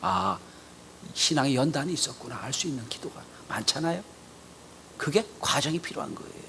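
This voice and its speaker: A male pastor preaching a Sunday sermon in a church, acting out quoted voices and dropping to soft whispers for emphasis. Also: fairly high pitch, lively intonation, fairly quick, slight background noise. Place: church sanctuary.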